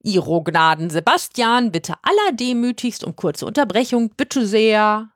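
A woman voicing an eccentric female Christmas witch who speaks in exaggerated courtly phrases with high, squeaky swoops. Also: animated, measured pace, dry recording, studio quality, natural voice. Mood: mock-courtly.

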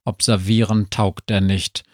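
A man's voice: lowish voice, flat delivery, unhurried, darkish tone, no echo, clean studio sound. A man voicing a grumpy, scheming dwarf who grumbles and snorts in a storybook reading.

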